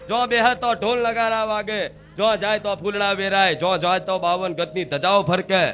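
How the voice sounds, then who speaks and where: A woman's voice: mid-range voice, steady tone, moderate pace, soft background music. Emphatic woman guru preaching a sermon. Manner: emphatic, rising to shouts, rhetorical questions. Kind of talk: devotional sermon.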